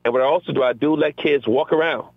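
A middle-aged male teacher, an interview guest on a tinny phone line, talks fast and energetically in a slightly high, gravelly, somewhat rough voice with no room sound. In this conversational interview he acts out quotes from exchanges between himself and his students.

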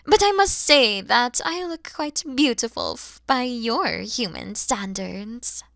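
A woman's voice: fairly high pitch, takes it slowly, vocal fry, no echo, clean studio sound, heavily acted. A woman voicing a kind, motherly and playful dragon woman in an ASMR audio roleplay, speaking expressively and directly to the listener. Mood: proud, playful. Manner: expressive, teasing, gentle, addressing the listener directly.

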